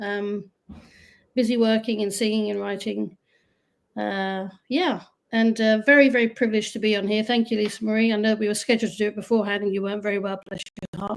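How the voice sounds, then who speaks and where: Delivered in a British accent at a very fast pace, the speech has monotone, flat intonation, captured in a very clean recording with a silent background. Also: woman, fairly high pitch for a woman. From UK. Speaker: singer-songwriter. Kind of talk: interview.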